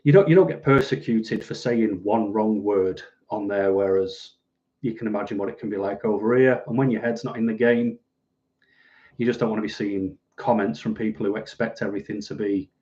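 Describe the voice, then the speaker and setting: A man with a softened Manchester accent hosts a casual livestream. His voice is mellow and relaxed, and his delivery is dry, sardonic and rambling. The audio is a little dull and lo-fi. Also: fairly low pitch, moderate pace. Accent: Mancunian, softened northern English. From northern England, Manchester. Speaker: livestream host. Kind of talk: casual livestream chat, reading out and answering viewers' comments.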